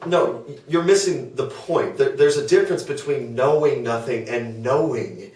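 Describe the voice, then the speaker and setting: A man's voice: mid-range voice, measured pace, a little mellow, close to an everyday voice. A man playing an earnest, exasperated disciple in a comedic table read, protesting with some hesitation. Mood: earnest, defensive. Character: earnest, exasperated male disciple defending his revered philosopher. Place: small indoor meeting room. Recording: roomy, distant meeting-room pickup.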